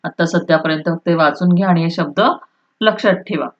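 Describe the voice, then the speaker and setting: A woman teacher with a lowish voice leads a school Marathi lesson. She walks through grammar rules patiently, repeating terms and checking that students follow, with a slight switch into Hindi now and then. The recording sounds dull and lo-fi. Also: fairly quick. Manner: explains step by step, often checks "right?", repeats key terms; switches into Hindi to restate points.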